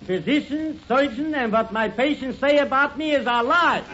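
An actor playing a brazen, evasive quack doctor in comic patter, in 1930s radio comedy style. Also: male voice, very high-pitched, normal speed. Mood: flippant. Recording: muffled, hissy old radio recording.

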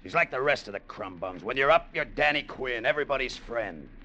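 An actor playing a down-on-his-luck male gambler who talks gruff, streetwise slang, in a 1950s radio drama. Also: mid-range voice, lively intonation, a little fast, pushed and bright, a little hiss or hum. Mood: bitter. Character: down-on-luck male gambler, bitter tough talker. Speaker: lead and narrator.

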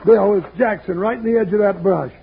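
An actor playing an excitable, folksy male cowboy sidekick in an old radio western. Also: sits high, a little fast, gravelly. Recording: tinny old radio transcription, faint hiss.

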